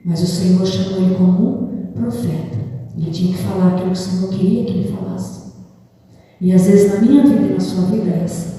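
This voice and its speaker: A woman's voice: mid-range voice, mellow. A woman evangelist with a Brazilian Portuguese accent, preaching a sermon at an intercession meeting in a conversational way and often calling out to her listeners. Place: church hall. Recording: distant voice in an echoey hall.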